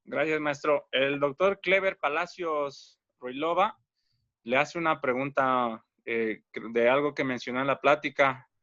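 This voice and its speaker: A man's voice: mid-range voice, unhurried, sharp tone, no room sound. A man moderating a session, courteously relaying audience questions to the speaker. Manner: courteous, deferential. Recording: dry, muffled line.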